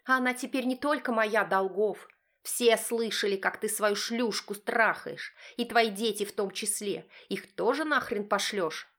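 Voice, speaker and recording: A woman voicing a furious, hysterical wife who shrieks accusations in a raised, shrill voice. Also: a little slow, a bit bright.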